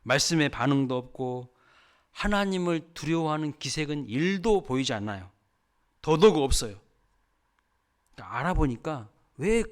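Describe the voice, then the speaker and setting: A man's voice: mid-range voice, smooth. A male pastor giving a sermon, telling a story and asking the congregation questions.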